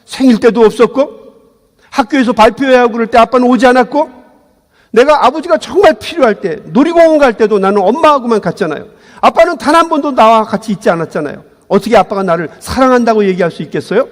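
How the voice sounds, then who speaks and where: A man's voice: extremely high pitch, lively intonation, fast talker, long reverb tail, voice pushed up. A man playing a resentful, tearful teenage son who accuses his father, in a sermon retelling. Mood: hurt, accusing. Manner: accusing, pleading.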